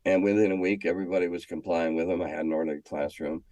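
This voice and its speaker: An older American man reminiscing in a casual, halting, anecdotal way, often repeating himself as he goes. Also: sits low, fairly even intonation, darkish tone, no room sound. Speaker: guest, former schoolteacher. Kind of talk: casual storytelling interview.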